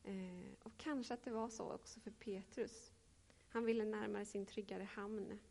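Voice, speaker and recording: A woman in her thirties giving a reflective sermon and reading scripture, pausing often with hesitations. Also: medium pitch, fairly even intonation, creaky, a little mellow. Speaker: preacher.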